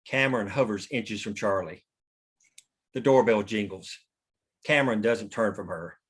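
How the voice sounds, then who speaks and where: A man's voice: lowish voice, normal speed, fairly bright tone, breathy edge. A man reading stage directions as scripted narration at a table read, in a plain, matter-of-fact manner.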